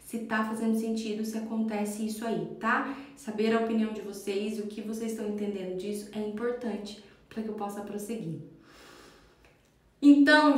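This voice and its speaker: Animated woman teaching parents, echoey room. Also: medium pitch. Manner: animated, acts out yelling parents and children. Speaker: parenting educator. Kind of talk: instructional live stream talk.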